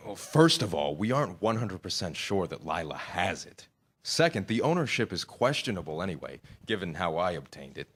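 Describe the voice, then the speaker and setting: A man performs a dry, fussy would-be burglar at a staged comedy reading. The voice is on the low side but very lively in pitch. He sounds determined, with a slight hesitancy. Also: moderate pace, husky, exaggerated voice. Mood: dry, businesslike. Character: fussy, dry, determined male amateur burglar planning a heist. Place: live staged reading in a church.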